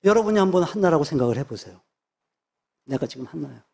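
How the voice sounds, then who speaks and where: Husky emphatic man preaching a sermon. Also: fairly high pitch, expressive, quick pace, darkish tone. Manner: emphatic, repeats phrases for stress. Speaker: pastor.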